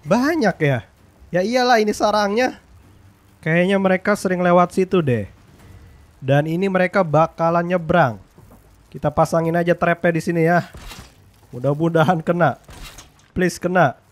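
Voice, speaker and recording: Young Indonesian man, fairly high voice, casual game commentary, swears a lot. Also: moderate pace, long pauses. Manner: excitable, slangy, swears in English often. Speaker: gaming YouTuber.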